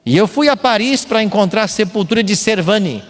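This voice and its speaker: A man's voice: high voice, lively intonation, a little fast. A Brazilian man preaching a sermon as a pastor, didactic and emphatic, often posing rhetorical questions. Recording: long hall reverb with music behind. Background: music.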